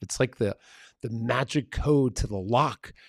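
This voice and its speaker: Animated in tone, a man at medium pitch speaks with lively intonation and a somewhat breathy voice, dry and close with no echo on a very clean recording with a silent background. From Mexico City, raised in San Diego. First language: Spanish. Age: 50s. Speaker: podcast host, health author. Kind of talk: solo podcast talk. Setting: studio with mic.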